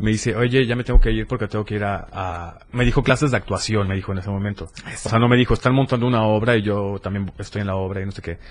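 A man's fairly low voice at a very fast pace with hardly any pauses and fairly even intonation. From Mexico, Chiapas (Tuxtla Gutiérrez). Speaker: singer and actor. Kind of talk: casual interview chat.

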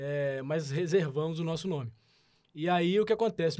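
The voice shows ordinary pitch variation. The recording is very clean, with a silent background. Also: man. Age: 30s. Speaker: business owner. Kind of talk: interview.

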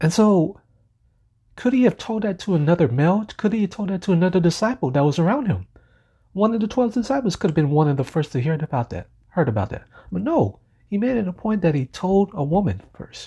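Against a quiet background, a man speaks at a fairly quick pace in a high voice with a dark, mellow tone. His pitch swings very widely. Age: 30s. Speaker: podcast host and church youth minister. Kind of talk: solo casual monologue. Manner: halting, many fillers and restarts.

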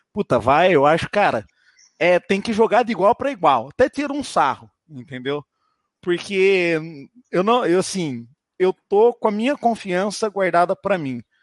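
Very wide pitch swings at a fairly slow pace, with a dry, close sound with no echo and a quiet background. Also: man, high pitch for a man. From Limeira, São Paulo state, Brazil. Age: 20s. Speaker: insurance broker, football fan guest. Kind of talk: casual chat.

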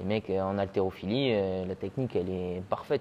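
With fairly even intonation, a man with a fairly low pitch talks at a moderate pace. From Bordeaux, southwest France. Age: 20s. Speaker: firefighter and CrossFit athlete. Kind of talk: casual interview. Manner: halting, many fillers.

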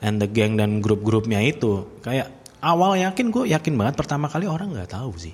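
A man's somewhat breathy voice rises and falls in very wide pitch swings. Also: medium pitch for a man, fairly quick pace. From Surabaya, East Java. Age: 30s. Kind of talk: casual chat.

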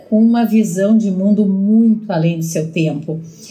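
Ordinary pitch variation and a moderate pace come through with audible room echo. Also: woman. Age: 40s. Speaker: film commentator. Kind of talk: casual chat.

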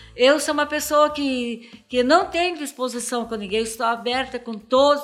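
The speaker keeps a moderate pace and ordinary pitch variation over noticeable background noise. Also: woman. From Paraná, Brazil (Irati). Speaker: pastor. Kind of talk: testimony.

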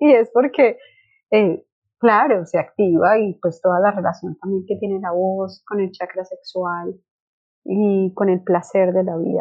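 This is a woman with a normal speaking voice at medium pitch. She talks at a fairly slow pace. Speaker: voice therapist and classical pianist. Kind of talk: interview conversation.

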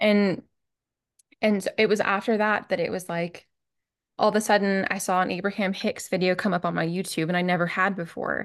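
A woman with a normal speaking voice and medium pitch talks at a moderate pace with fairly even intonation over a quiet background. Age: 30s. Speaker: spiritual coach and content creator. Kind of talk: casual chat.

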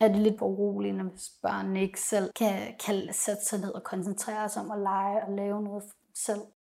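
A woman speaks at a medium pitch in a dark, mellow tone. Her pace is fairly slow and her intonation monotone and flat. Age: 20s. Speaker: adoptee sharing personal story. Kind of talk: personal testimony interview.

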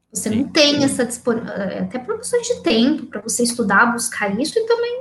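Words from this woman come at a fairly quick pace. She leaves hardly any pauses. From interior of São Paulo state, Brazil. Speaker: psychologist. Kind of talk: casual interview on a livestream.

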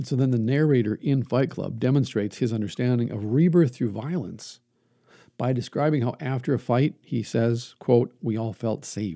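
A man speaks at a moderate pace in a dark, mellow tone with ordinary pitch variation. The recording is very clean, and the background is silent. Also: medium pitch for a man. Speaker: podcast host. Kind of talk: solo monologue on philosophy and culture; rally-style rant, punchy repeated accusations building to a rhetorical challenge. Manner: rising, emphatic cadence, hammering short declarative lines; casual, loose stream-of-consciousness delivery.

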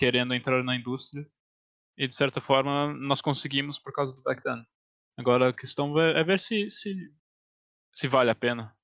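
Heard in a dry, close sound with no echo, a man speaks at a fairly slow pace with a bright, sharp tone and ordinary pitch variation. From Brazil. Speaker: indie game developer. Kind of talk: interview.

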